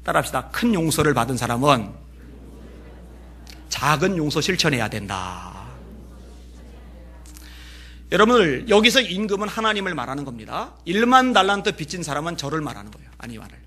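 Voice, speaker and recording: Male pastor, sermon delivery, bright and husky, acts out the story's lines. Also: a little high, moderate pace, long pauses. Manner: lively storytelling, acting out characters' lines.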